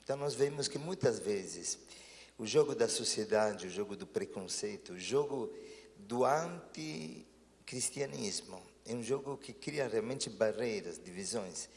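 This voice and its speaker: Man, priest, gravelly, low-pitched, earnest, reflective, long reverb. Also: lively intonation, a little slow. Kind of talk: pastoral talk show conversation.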